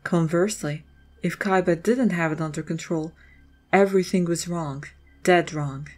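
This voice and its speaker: Low-pitched woman narrating a story. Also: moderate pace, a little mellow, soft background music. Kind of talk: scripted dramatic story narration.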